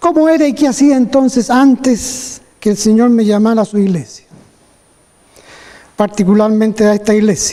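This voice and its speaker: The speaker moves at a moderate pace with ordinary pitch variation. Long pauses come often. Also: man, high pitch for a man. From Chile, Santiago. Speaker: church elder. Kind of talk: formal talk. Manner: formal.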